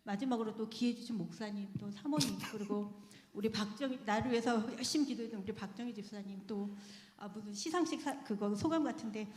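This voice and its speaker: A woman's voice: mid-range voice, fairly quick, darkish tone. A woman giving a personal testimony in church, chatty and earnest, often laughing as she speaks. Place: church sanctuary. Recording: echoey church hall with long reverb.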